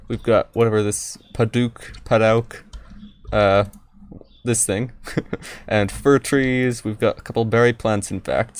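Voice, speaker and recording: A man giving casual, halting let's play commentary, often repeating words, his speech slightly impeded by wearing retainers. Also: fairly low pitch, darkish tone. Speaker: gaming video host.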